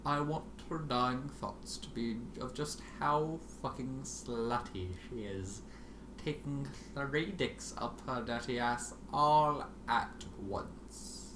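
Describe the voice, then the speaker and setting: A man's voice: mid-range voice, close to an everyday voice. Man voicing a cruel, theatrical sorceress pony, roomy sound. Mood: cold contempt. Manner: taunting, drawn-out, theatrical. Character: cruel mocking female pony sorceress, gleefully sadistic. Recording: roomy, faintly noisy home recording.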